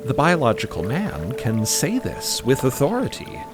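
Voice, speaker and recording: A man narrating scripted fiction in a musing way, with deliberate, pausing phrases. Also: medium pitch, huge pitch swings, over music.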